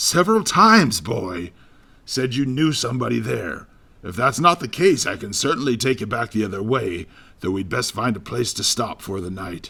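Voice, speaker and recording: A raspy, booming put-on character voice moves at a moderate pace. The recording is very clean, with a silent background. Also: man, medium pitch for a man. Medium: read story. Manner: warm, folksy, hearty.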